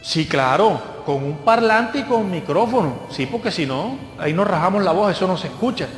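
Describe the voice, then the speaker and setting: A man preaches in a high, lively voice, slipping into the voices of people from his stories. The sound is roomy, from a church hall with long reverb. Soft music sits underneath. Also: moderate pace. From Colombia. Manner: lively storytelling, acts out voices of others. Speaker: guest preacher. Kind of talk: sermon.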